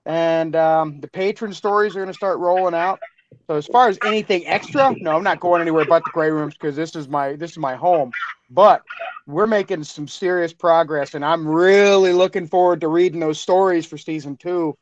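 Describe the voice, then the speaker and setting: A man's voice: a little high, lo-fi sound. A man co-creating a podcast, chatting casually in a group and often restarting his sentences. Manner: halting, stumbles over words and restarts.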